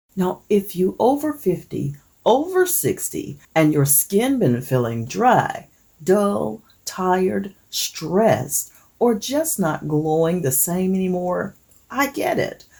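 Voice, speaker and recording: A woman speaks at a very slow pace and a medium pitch, with very wide pitch swings. Her tone is dark and mellow, and her voice is somewhat breathy. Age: 60s. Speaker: beauty vlogger. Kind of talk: tutorial. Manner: animated.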